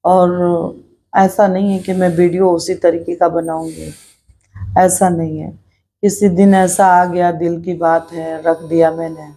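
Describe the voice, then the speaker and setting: In a personal vlog, a middle-aged woman talks earnestly to the camera, reflecting aloud and repeating herself as she speaks her mind. Her voice is lowish, gravelly and dark, with little pitch movement and a slightly slow pace.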